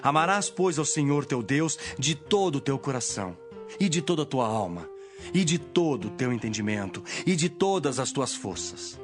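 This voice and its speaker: A Brazilian man playing an authoritative teacher, measured and declamatory, in a dramatized audio Bible. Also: medium pitch, lightly acted.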